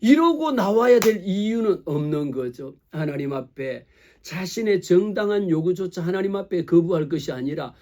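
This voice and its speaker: High-voiced, mellow male pastor preaching. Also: moderate pace, slight background noise. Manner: animated preaching, acts out quoted voices; speaks directly to the congregation with rhetorical questions. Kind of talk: sermon.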